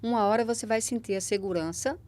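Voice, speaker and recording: A woman with a Brazilian Portuguese accent hosts a podcast interview in a slightly high, quick, darkish voice. She talks emphatically and encouragingly, often using tag questions to check in with the listener in this conversational exchange.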